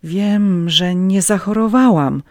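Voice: mid-range voice, slow, no room sound, voice pushed up. A reader voicing a weary pleading peasant girl. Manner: pleading, timid. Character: young pregnant peasant woman, exhausted and pleading. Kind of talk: audiobook reading.

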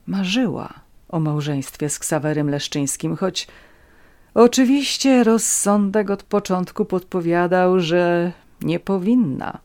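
Reading scripted narration from a novel, this woman narrator keeps a steady, measured storytelling pace. Her voice is on the low side.

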